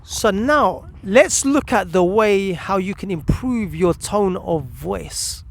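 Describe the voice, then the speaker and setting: A man's voice: sits high, expressive, takes it slowly, vocal fry, a little hiss or hum. A man speaking as a parenting coach, giving a direct instructional talk with repeated key words and rhetorical questions. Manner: emphatic repetition with rhetorical questions. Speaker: parenting coach presenting a video.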